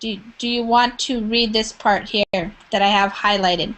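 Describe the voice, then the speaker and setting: A woman's voice: medium pitch, steady tone, a little slow, fairly bright tone. A woman leading an online English conversation class who asks many questions and keeps encouraging her students. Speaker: English teacher.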